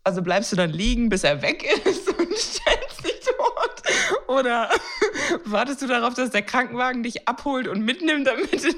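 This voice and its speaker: A woman's voice: on the high side, sing-song, moderate pace, fairly bright tone. A woman co-hosting a podcast in casual chat, teasing and bursting into laughter. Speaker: podcast co-host.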